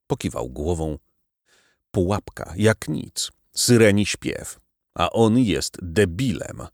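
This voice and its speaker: A man reading a novel aloud as audiobook narrator, dramatic and expressive. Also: low voice, takes it slowly, no room sound, studio quality. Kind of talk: scripted narration.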